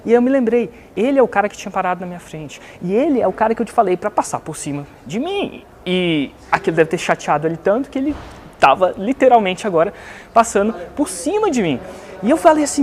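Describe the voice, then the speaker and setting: Animated Brazilian man telling a story. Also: high-pitched, fast talker. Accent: Brazilian Portuguese. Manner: animated, acts out the other voices in his story. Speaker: online business coach. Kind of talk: storytelling to teach a point.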